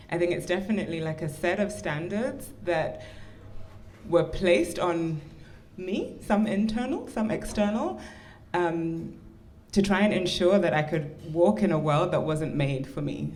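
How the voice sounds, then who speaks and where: A woman's voice: fairly low pitch, measured pace, a little hiss or hum. A woman from the United Kingdom in her forties, a mental health counselor speaking as a guest on a live podcast panel, eager and thoughtful. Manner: warm, excited, thoughtful.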